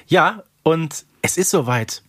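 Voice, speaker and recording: A man's voice: a little high, lively intonation, takes it slowly, a bit bright, husky, no room sound. A man co-hosting a podcast in casual conversation, speaking close to the microphone. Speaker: podcast co-host.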